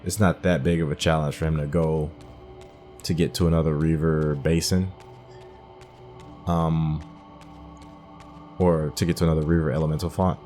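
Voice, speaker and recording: Very deep-voiced man doing game commentary. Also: little pitch movement, moderate pace, long pauses, dark tone, faint music behind. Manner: rambling, musing. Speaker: gaming host. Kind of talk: casual playthrough commentary. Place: game commentary with game music behind.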